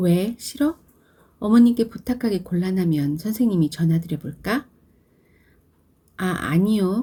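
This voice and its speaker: Speaking at a fairly slow pace, a woman of medium pitch has a dark, mellow tone. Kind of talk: audiobook novel reading.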